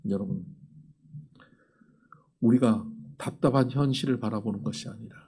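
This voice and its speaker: A man preaching a sermon as pastor, acting out little dialogues and sinking to a soft near-whisper for the tender lines. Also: fairly low pitch, moderate pace, vocal fry, breathy edge.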